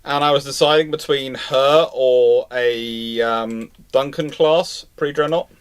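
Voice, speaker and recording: A man hosts a casual live panel with an enthusiast's energy. He rambles, often stumbling and restarting his sentences, at a middling pitch. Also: steady tone, slow, smooth. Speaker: host of a live naval history question-and-answer stream.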